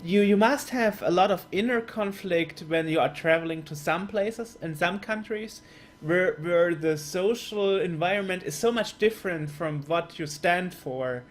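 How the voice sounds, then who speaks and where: A man's voice: sits high, measured pace. A man asking questions as an interviewer in a conversational style.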